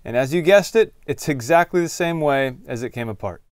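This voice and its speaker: A man's voice: medium pitch, animated, a little fast, smooth, no echo, clean studio sound. A man hosting a DIY car repair video, explaining each step in plain words as he works with his hands. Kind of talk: hands-on tutorial narration, talking while working.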